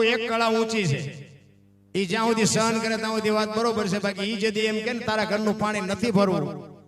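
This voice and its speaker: A man with a Kathiyawadi accent gives a folksy devotional talk and tells a village parable, warmly addressing his listeners. His voice sits high for a man. It is caught from a distance on a stage mic, with a roomy echo around it. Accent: Kathiyawadi Gujarati. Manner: folksy, calls listeners "bapu". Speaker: folk storyteller.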